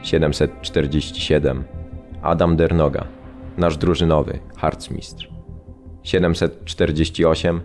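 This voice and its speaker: A grave male prisoner in a radio play. His voice is extremely deep, and he recalls events in measured, restrained phrases over faint music. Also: flat delivery, a little mellow. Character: Polish male camp prisoner recounting his arrival, sombre and restrained. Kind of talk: radio drama memoir narration.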